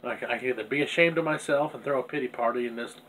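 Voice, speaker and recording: Stuffy guy rambling in his video diary, candid, hard on himself, average pitch, bit of hum behind. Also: very fast, a bit bright, rough recording. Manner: candid, rambling, self-critical. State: stuffy nose from a cold. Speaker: vlogger.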